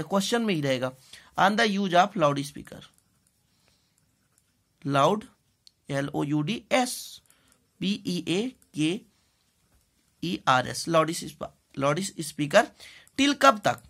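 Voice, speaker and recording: Slow-paced Indian woman teaching English. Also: on the low side, fairly bright tone. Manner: deliberate, repeats phrases and checks in often. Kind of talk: bilingual classroom lesson, translating and spelling out words.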